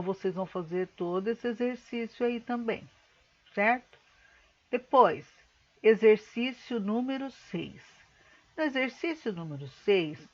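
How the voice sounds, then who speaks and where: A schoolteacher talks her pupils through an exercise, patient and methodical, stretching some words out slowly to show their syllables. Her voice sits at an ordinary middle pitch for a woman. The recording sounds a bit dull and lo-fi. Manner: patient, explains step by step, slows words down to split syllables. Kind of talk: recorded remote lesson.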